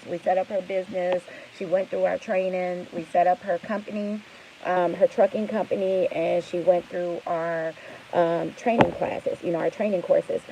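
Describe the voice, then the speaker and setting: A woman's voice: mid-range voice, gravelly, background noise. Weary woman venting to her viewers. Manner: candid, weary, rambling with many fillers. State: tired. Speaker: trucking business owner. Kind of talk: casual vlog to viewers.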